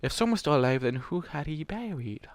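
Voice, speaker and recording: A man's voice: a little high, big pitch swings, fairly quick, no room sound. Emotive man reading fan fiction, close dry sound. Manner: emotionally invested, exasperated asides. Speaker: fan fiction reader and channel host. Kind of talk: dramatic story reading with casual profane reactions.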